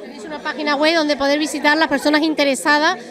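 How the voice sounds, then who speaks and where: A woman's voice: sits high, level tone, fast, a crowd in the background. A middle-aged woman reporting from a lunch event with a handheld mic, chatty and effusive. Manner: chatty, effusive, self-aware talker. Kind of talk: event interview. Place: busy restaurant event indoors.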